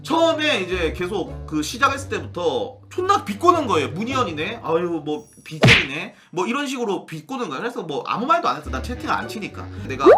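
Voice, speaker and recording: A man's voice: sits high, sing-song, fast, hardly any pauses. A young man streaming games, telling a story to his chat in casual, swearing speech and acting out both sides of the argument. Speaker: game streamer. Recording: music playing behind the voice.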